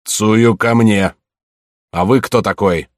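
A man voicing a stern older samurai father in a read-aloud tale, scolding loudly and slowly. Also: deep voice, steady tone, no echo, clean studio sound. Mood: furious. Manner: loud, slow, scolding.

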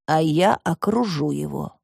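A woman voicing a boastful, hot-headed young boy who talks brashly and excitably. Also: low-pitched, measured pace, vocal fry, breathy edge, no echo, clean studio sound, full character voice.

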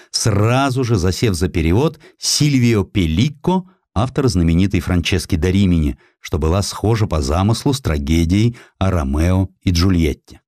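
A man narrating a historical literary essay in an expressive, theatrical way. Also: low-pitched, dry recording, clean studio sound. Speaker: audiobook narrator.

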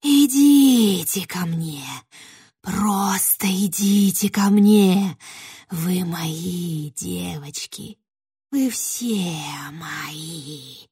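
A woman's voice: lowish voice, slightly rough, no echo, clean studio sound, heavily acted. A woman doing a hissing, whispery witch. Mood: luring. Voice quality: rustling, whispery. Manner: slow, drawn-out, alternating whispers and shouts. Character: hissing yellow-eyed female witch, greedy, menacing.

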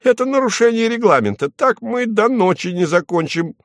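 A man voicing a fussy, impatient male official who objects in a high, tearful, whining voice. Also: sing-song, moderate pace, no echo, studio quality, natural voice. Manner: shrill and tearful.

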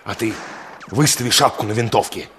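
An actor playing a bold, blunt peasant fighter with folksy speech in a radio drama. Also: male voice, fairly low pitch, a little fast, a bit bright, close to an everyday voice. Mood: gritty confidence. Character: bold, rough peasant fighter in a bandit hunt. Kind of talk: Soviet radio drama acting. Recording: very noisy radio play recording.

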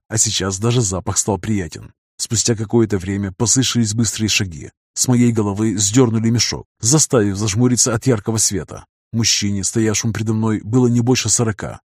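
A man narrating a first-person audiobook in a steady, even storytelling manner. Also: fairly low pitch, breathy edge, no echo, clean studio sound.

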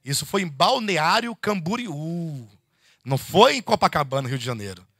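Animated Brazilian preacher, gravelly and bright. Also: male voice, on the high side, normal speed, no echo, clean studio sound. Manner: animated, rhetorical questions, addresses listeners as "queridos". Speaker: bishop teaching a Bible study. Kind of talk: conversational sermon to a congregation. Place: church meeting hall.

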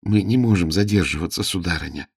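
A man voicing a serious, stubborn young girl who speaks quietly and firmly. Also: low-pitched, brisk, creaky, slightly rough, dry recording, studio quality, heavily acted. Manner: quiet and firm.

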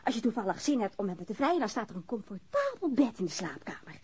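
A woman's voice: a little high, big pitch swings, fast, darkish tone, breathy edge, full character voice. An actress playing a policeman's frank wife in a naturalistic radio drama, sardonic, playful and outspoken, teasing and eager by turns. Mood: bemused, challenging.

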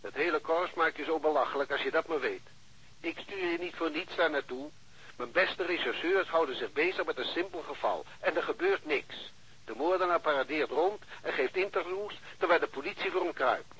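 An actor playing a bullying, impatient police chief in a Dutch radio drama, sharp and insistent. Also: male voice, fairly high pitch, moderate pace, rough recording. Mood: indignant. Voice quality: raspy, sharp. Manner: hectoring, insistent.

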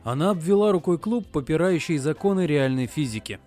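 A young man narrating an audiobook in first person, voicing his own lines in expressive dialogue. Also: fairly high pitch, brisk, soft background music. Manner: expressive, moving from quiet narration to heated outbursts.

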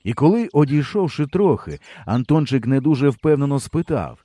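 A man narrating an audiobook in a lively storytelling manner. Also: medium pitch, normal speed, no echo.

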